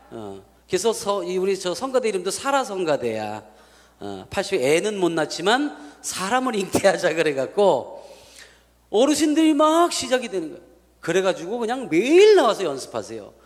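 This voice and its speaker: A male pastor tells a story from the pulpit, bringing it to life by acting out each person's lines. His voice sits high and swings widely in pitch. Long reverb from the church rings around him. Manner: animated, acts out dialogue in different voices. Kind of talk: storytelling sermon.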